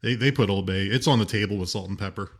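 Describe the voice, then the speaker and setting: A man's voice: on the low side, quick pace. Chatty laughing podcast host man. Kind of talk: casual podcast chat.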